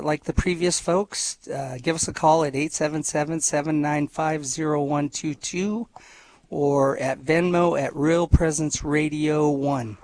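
A man hosting a radio fundraiser, relaxed and friendly, chuckling now and then. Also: on the high side. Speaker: radio host. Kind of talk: casual radio fundraising chat.

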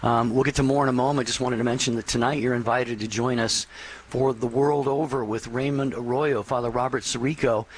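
A man's voice: mid-range voice, steady tone, fairly quick, slight background noise, rough recording. A man co-hosting a radio talk show, speaking in an encouraging, reflective way to a caller.

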